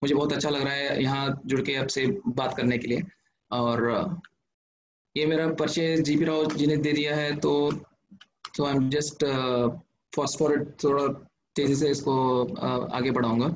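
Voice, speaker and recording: With long, frequent pauses, a man speaks at a fairly high pitch and very even loudness. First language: not Hindi, speaks English and a South Indian language (speaking Hindi). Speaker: memory trainer and author. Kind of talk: talk to online club audience, Hindi-English mix. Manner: halting, many fillers.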